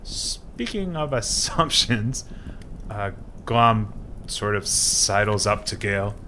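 A man's voice: lowish voice, animated, takes it slowly, pushed and bright, slight background noise. A man playing a tabletop roleplaying game, casually narrating and voicing his character with muttered, hesitant asides.

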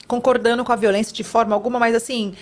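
A woman from Brazil talking as a podcast guest. Her voice sits high, and she speaks quickly and earnestly. Now and then she slips into short bits of dialogue to show what she means. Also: little pitch movement. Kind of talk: casual podcast conversation.

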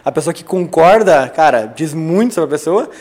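A man with a somewhat high voice shares hiring practices in a relaxed podcast chat. He thinks aloud and restarts phrases, then drops into a low, confiding tone. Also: moderate pace. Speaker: podcast co-host. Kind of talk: casual business podcast chat.

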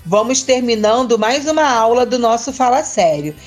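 A woman teacher, explaining a grammar lesson clearly and slowly on a scripted educational podcast. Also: a little high, lively intonation, a little mellow, faint music behind. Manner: slow, clear, didactic.

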